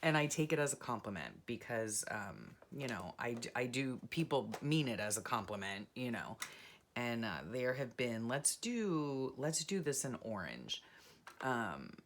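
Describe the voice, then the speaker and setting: A woman vlogger chatting casually and rambling softly while she works on a journal craft. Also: extremely low pitch, big pitch swings, unhurried, slight background noise. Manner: soft-spoken, rambling, self-deprecating, many fillers. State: frog in her throat.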